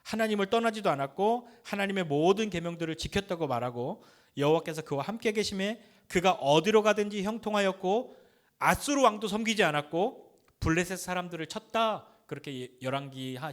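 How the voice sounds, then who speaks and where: A man's voice: high-pitched, expressive, brisk. A man pastor giving a conversational sermon, asking the congregation questions and acting out blunt, taunting quotes.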